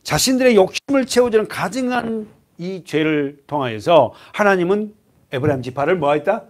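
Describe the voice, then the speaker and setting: A male pastor preaching an expository sermon in a church, keeping it lively by quizzing the congregation and dropping to a hushed voice for grim points. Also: high voice, moderate pace. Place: church sanctuary.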